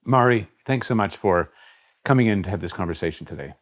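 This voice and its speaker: A man with a moderately low voice hosts a reflective interview. He speaks in a measured, hesitant manner. His sentences wind along as he feels for the right phrase. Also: expressive. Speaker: interview host, head of a college. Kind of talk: reflective long-form interview.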